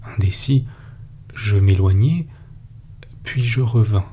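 A man narrating an audiobook story in a measured, steady storytelling manner. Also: on the low side, slight background noise. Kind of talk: scripted narration.

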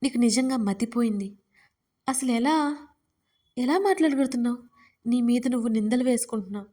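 A distraught young woman in an audio story, pleading through tears and shouting at her friend, as a woman narrator voices her. Her voice sits somewhat high and is strained with crying. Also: a little fast, lightly acted.

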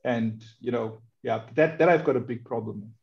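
A man in a casual group discussion on a video call, talking in a measured way with many fillers. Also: mid-range voice, creaky. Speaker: meetup participant. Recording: dull lo-fi video call audio.

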